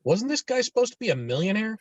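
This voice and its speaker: A man's voice: high-pitched, very animated, quick pace, no echo. A man playing a threatening, demanding debt-collecting thug in a screenplay table read. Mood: scornful. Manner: threatening, demanding, foul-mouthed. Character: menacing thug shaking down a debtor. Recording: dull, muffled online-call audio.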